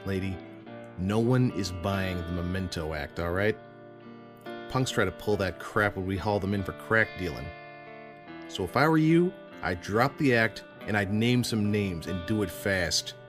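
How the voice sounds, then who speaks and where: A man's voice: low-pitched, unhurried, over music. A man playing a tough, sarcastic, impatient police interrogator in an audio drama. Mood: sceptical, impatient. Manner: gruff, sarcastic.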